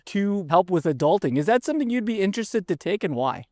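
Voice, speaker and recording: A man's voice: high-pitched, sing-song, fast, a little mellow, no echo, clean studio sound. A man working as a reporter, asking students curious, prompting questions on a university campus. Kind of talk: vox pop interview.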